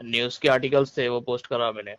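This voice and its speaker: A man's voice: medium pitch, steady tone, fast talker, dull audio. A man with a Hyderabadi Deccani accent in an argumentative phone conversation, challenging and insistent. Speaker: activist. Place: phone call.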